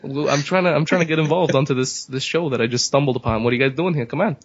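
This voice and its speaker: A man's voice: medium pitch, fast, breathy edge, lo-fi sound. A young man playing a brash, pushy older Jewish man from New York with a New York accent. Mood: pushy, indignant.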